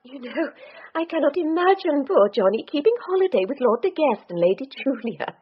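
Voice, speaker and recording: An actress playing a firm, dignified middle-aged mother in a period radio drama, measured and restrained. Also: high-pitched, very animated. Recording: dull lo-fi radio recording.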